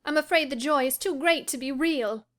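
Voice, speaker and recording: A passionate, impulsive young lady who speaks high and breathless, as a woman narrating puts her on. Her words tumble out eager and pleading, a voice pitched well above the narrator's own. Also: expressive, normal speed, fairly bright tone. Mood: insistent. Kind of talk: audiobook character voice.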